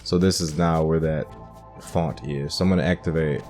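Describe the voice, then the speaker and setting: Very deep-voiced man musing over a game. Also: steady tone, normal speed, a little mellow, faint music behind. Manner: thinks aloud, musing to himself. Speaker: gaming host narrating a playthrough. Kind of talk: casual gameplay commentary.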